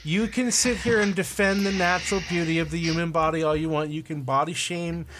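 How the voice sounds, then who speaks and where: A man's voice: a little high, steady tone, fairly quick, noisy background. A man co-hosting a comedy podcast, chatting casually in a blunt, rambling, self-deprecating way. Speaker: podcast co-host.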